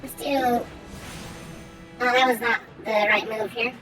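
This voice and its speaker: A woman giving casual gameplay commentary and chatting with viewers in a rambling, halting way, her R's softened toward W. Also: fairly high pitch, steady tone, poor audio. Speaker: game streamer. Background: faint music.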